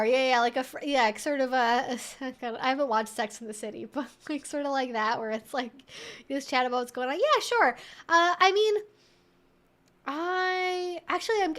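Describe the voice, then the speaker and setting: High voiced woman doing a chatty livestream q&a, kinda rambly and amused, thinks out loud. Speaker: livestream host and kink educator. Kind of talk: casual live Q&A chat, reading out and reacting.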